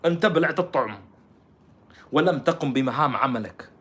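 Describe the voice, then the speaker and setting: Fast-talking man, scornful commentary. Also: medium pitch, animated. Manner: scornful, rhetorical, jumps between loud and quiet. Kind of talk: political commentary.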